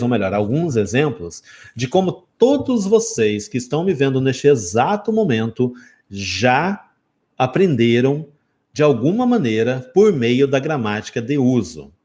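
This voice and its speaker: A man's voice: medium pitch, a little mellow. A man in his forties with a Brazilian Portuguese accent, an English teacher giving a live online lesson who keeps checking in with his viewers. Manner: explanatory, checks in often with "ok?".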